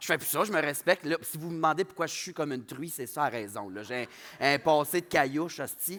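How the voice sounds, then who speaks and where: Over noticeable background noise, a fairly high-pitched man talks at a fairly quick pace with big swings in loudness. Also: ordinary pitch variation. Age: 20s. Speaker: drag queen and comedian. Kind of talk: casual talk-show interview. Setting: stage with live audience.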